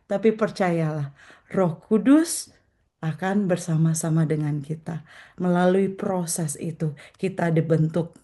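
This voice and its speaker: A woman's voice: fairly low pitch, fairly even intonation, measured pace, warm tone. A woman evangelist giving a morning prayer sermon, earnest and repeating phrases for emphasis, addressing her listeners as brothers and sisters. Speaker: evangelist preacher.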